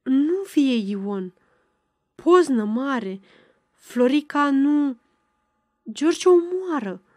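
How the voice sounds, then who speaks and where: Lady doing a frantic old cripple woman, stuttery and croaky, yells up high. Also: big pitch swings, dry recording, studio quality. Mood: frantic shrieking. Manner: stammering, croaky and shouting.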